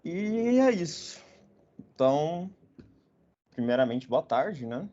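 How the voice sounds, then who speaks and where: A man's voice: a little high, sing-song, takes it slowly, mellow, highs cut off. A man in his twenties from northern Paraná, hosting a podcast in casual, jokey chat with frequent tag questions. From northern Paraná, Brazil. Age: 20s. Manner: chatty, jokey, with frequent "né?" tags. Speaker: podcast host.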